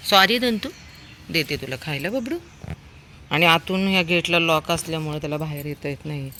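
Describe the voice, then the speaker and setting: Woman, bright forward voice, casual vlog, coaxing calls, outdoor street at night with faint traffic hum. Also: deep voice, normal speed. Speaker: street animal feeder.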